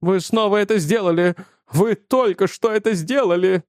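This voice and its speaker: A man voicing an agitated older male physics professor with a shrill voice, accusing and insistent. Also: moderate pace, dry recording, clean studio sound. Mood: frantic. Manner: accusing, insistent, increasingly frantic.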